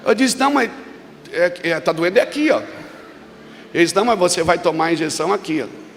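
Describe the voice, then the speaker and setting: A man preaching at a church conference, telling a story and then shouting emphatic declarations to the congregation. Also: high voice, fairly quick, vocal fry, slight background noise. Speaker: pastor. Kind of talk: sermon with storytelling. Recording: long reverb of a large hall with music.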